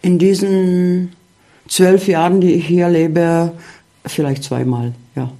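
A middle-aged man, a guest in a casual interview, talking haltingly with many fillers as he searches for words. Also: sits high, steady tone, dark tone.

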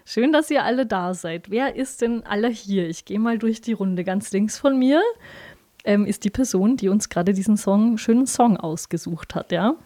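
A woman hosting a live community radio music hour in a studio, chatting casually with guests and pausing with fillers. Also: mid-range voice, mellow. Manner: chatty, many filler pauses. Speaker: radio host and coordinator.

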